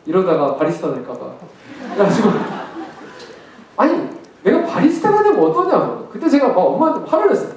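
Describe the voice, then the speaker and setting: A man's voice: high-pitched, sing-song, normal speed, creaky, noisy background. A male pastor preaching a sermon, telling a personal story with emphatic repetition. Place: church sanctuary. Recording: very echoey church hall from far off.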